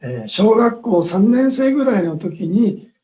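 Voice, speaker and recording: A man giving a lecture in short measured phrases, pausing often with long drawn-out fillers so an interpreter can follow, heard over a video call. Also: sits high, very animated, dark tone. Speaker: guest speaker.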